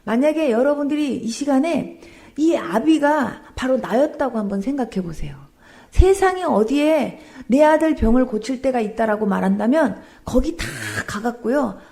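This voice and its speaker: A woman's voice: fairly high pitch, lively intonation, normal speed, warm tone. A woman pastor preaching a sermon, telling stories with earnest, pleading quoted speech. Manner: earnest storytelling, retelling scenes in quoted voices.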